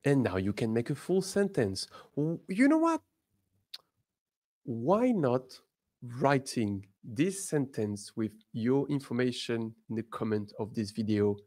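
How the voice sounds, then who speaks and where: Slow, animated teacher. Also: male voice, medium pitch. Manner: slow, drawn-out model pronunciation with lively emphatic bursts. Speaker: French teacher. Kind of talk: language lesson for beginners.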